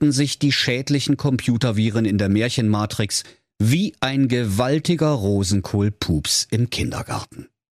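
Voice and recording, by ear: In a natural voice, the text is read aloud, its pitch shifting in an ordinary way.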